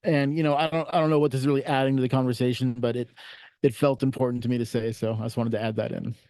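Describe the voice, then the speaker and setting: A man's voice: mid-range voice, steady tone, fast talker, warm tone, dry recording. A man on a panel, a guitarist, telling a rambling story and then tying it to his point, with a self-doubting aside at the end. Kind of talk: casual panel discussion.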